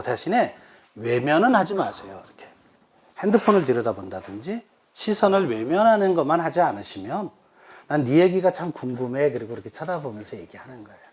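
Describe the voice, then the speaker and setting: A middle-aged man, a pastor, giving a workshop lecture on coaching and often acting out example conversations. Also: a little high. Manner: animated, acts out quoted voices of children and elders. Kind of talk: lively lecture with acted example dialogues.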